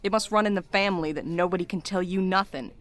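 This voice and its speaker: A woman's voice: on the low side, fast, lightly acted. A woman playing a blunt, sardonic, protective courier in naturalistic audio drama dialogue. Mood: exasperated. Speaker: lead actor in audio drama.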